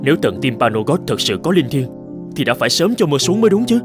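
Commanding young tribal warrior, mid-pitched played by a man. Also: very animated, fast talker, music in the background, natural voice. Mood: admiring, regretful. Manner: commanding, protective. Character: proud young tribal warrior posing as a mountain god. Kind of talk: dubbed animated folktale acting.

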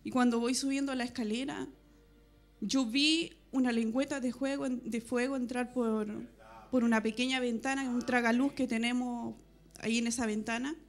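Soft-spoken high-voiced woman testifying. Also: steady tone, moderate pace. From Chile. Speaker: church member giving testimony. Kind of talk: personal church testimony. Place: evangelical church meeting.

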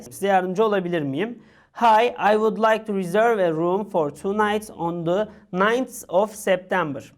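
Woman teaching English phrases slowly. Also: mid-range voice, a little mellow. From Turkey. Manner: explains slowly, reads English phrases then translates. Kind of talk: online exam-prep lesson.

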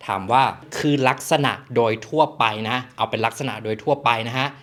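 A man's voice: medium pitch, brisk, a bit bright, a little hiss or hum. A man hosting a joke quiz game in a casual, teasing way, laughing often between questions. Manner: jokey, laughs often, polite ending particles.

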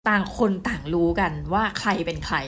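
A woman's voice: mid-range voice, fairly quick, slight background noise. Chatty middle-aged woman reviewing books. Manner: chatty, addresses viewers directly, excitable storytelling. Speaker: book reviewer. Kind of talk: casual book review.

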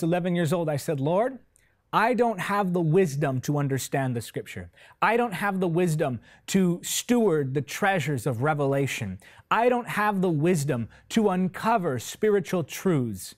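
A man in his twenties preaching a sermon in a studio, emphatic and passionate, with repetitive phrasing, on a lapel mic. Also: fairly high pitch. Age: 20s. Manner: impassioned, emphatic, with repetitive phrasing and big hand gestures. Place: TV studio set, indoors.

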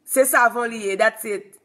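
A woman in her thirties with a Haitian accent talks casually into a phone held at arm's length in a small room. She hosts a live stream, reading viewers' comments aloud with animated energy. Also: on the high side. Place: small indoor room before curtains. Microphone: phone camera at arm's length.

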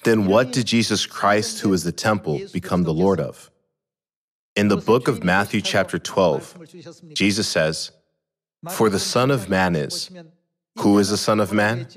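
A middle-aged man preaching a sermon at a pulpit, measured and posing rhetorical questions he then answers. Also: fairly low pitch. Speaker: pastor. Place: large church hall, at a pulpit. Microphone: podium microphones.

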